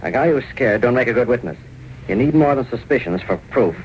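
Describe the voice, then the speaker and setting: An actor playing a smug, slangy gangster boss in a 1930s radio drama, on a hissy old broadcast. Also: male voice, medium pitch, expressive, brisk, muffled recording, close to an everyday voice. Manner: smug, slangy tough-guy talk. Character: smug male gangster boss running a protection racket.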